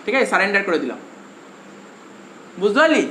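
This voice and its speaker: A male commerce teacher from India with a Bengali accent lectures his class, constantly quizzing students with repeated questions. His high voice is sing-song, brisk, pushed and bright. The room is echoey, with faint noise.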